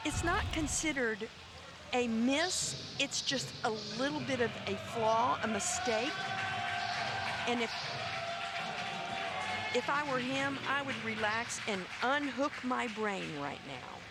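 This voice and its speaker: Woman diving commentator over loud venue noise. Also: on the high side, lively intonation, slow, pauses often. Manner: explanatory, analytical. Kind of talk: live sports commentary. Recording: very noisy natatorium ambience behind.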